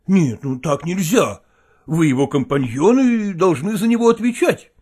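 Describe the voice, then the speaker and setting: A man's voice: a little high, expressive, normal speed, a little mellow, breathy edge, voice pushed up. A man voicing an agitated, hot-tempered male actor who speaks in a heated, insistent way. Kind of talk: audiobook character voice.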